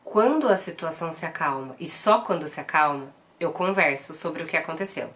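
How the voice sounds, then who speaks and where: A woman's voice: deep voice, animated, brisk, a bit bright. A woman in her thirties with a Brazilian Portuguese accent, a mother giving earnest, direct parenting advice in a casual vlog. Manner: earnest and direct, firm when quoting commands.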